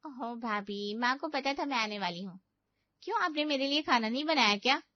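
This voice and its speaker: A woman's voice: high voice, expressive, fairly quick, no echo, pitched above the performer's own voice. A woman voicing a sweet, showy young married daughter who gushes affectionately, in a dry, dull recording. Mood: gushing. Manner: gushing, affectionate.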